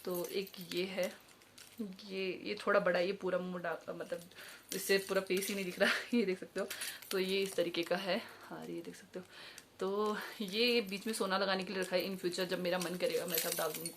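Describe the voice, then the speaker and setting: A woman's voice: lowish voice, steady tone, moderate pace. A young woman vlogging at home, chatty and hesitant, with many fillers and self-corrections. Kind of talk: casual show-and-tell vlog. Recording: noisy home recording. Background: jingling jewellery and bells.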